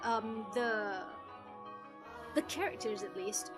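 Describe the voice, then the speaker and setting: Female game streamer, higher voice, unhurried casual chat with muttered asides and music behind. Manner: mutters to self, exclaims, mixes in Japanese phrases. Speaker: streamer voicing a visual novel.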